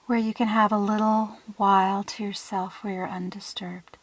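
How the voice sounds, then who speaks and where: A woman leading a guided visualization in a soothing, hushed manner, with deliberate phrasing and breathy trailing ends. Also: medium pitch, flat delivery, no room sound, poor audio. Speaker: guided meditation leader.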